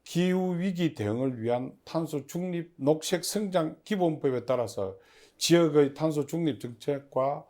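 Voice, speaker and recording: A man giving formal, prepared interview answers as an agency official, in measured and stiffly official phrasing. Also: on the high side, a little mellow. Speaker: head of a public industry agency, interview guest.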